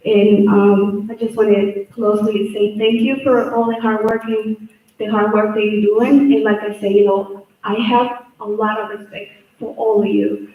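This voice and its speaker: A woman's voice: mid-range voice, little pitch movement, measured pace, phone-quality sound. A middle-aged woman from El Salvador with a Salvadoran Spanish accent, Spanish her first language, giving earnest public testimony at a hearing and often repeating phrases as she goes. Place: large echoey hearing room. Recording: echoey hall, voice far from mic.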